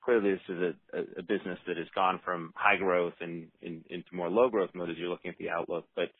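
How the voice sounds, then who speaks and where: A deep-voiced man with a husky edge talks over a dry phone line. He is an analyst posing a spontaneous question, restarting his phrases as he goes. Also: steady tone, fast talker, dry recording. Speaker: financial analyst asking questions. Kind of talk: spontaneous conference call question.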